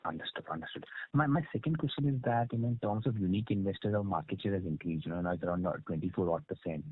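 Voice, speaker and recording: A man's voice: low voice, rapid-fire, breathy edge. A man with an Indian accent asking an analyst's questions on an earnings call, hesitant and polite. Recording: narrow-band phone line.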